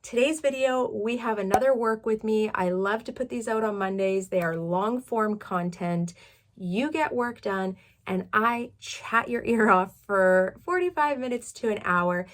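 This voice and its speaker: A chatty woman in her thirties talks to her viewers like a favorite coworker. Her voice sits at an ordinary middle pitch, and she keeps an upbeat, easygoing flow full of casual "like"s. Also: measured pace. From Canada. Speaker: YouTube reselling channel host. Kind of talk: casual chatty work-with-me vlog.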